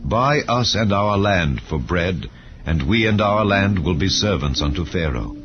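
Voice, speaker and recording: A man reading scripture as an audiobook narrator in a solemn, measured, deliberate way. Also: deep voice, lively intonation, background noise. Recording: dull lo-fi audio, music underneath. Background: background music.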